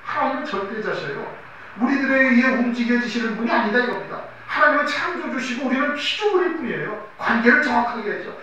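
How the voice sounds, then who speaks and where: A male pastor preaching with a strikingly high, bright voice, reading verses and then pressing his points home with emphatic bursts. He is recorded from well back in a church sanctuary, with a very reverberant room, and faint background noise in the recording. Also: expressive, fast talker, lo-fi sound. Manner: earnest preaching, rising to emphatic outbursts; reads scripture verses aloud, then explains them. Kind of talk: sermon. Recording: very echoey church hall, mic far off.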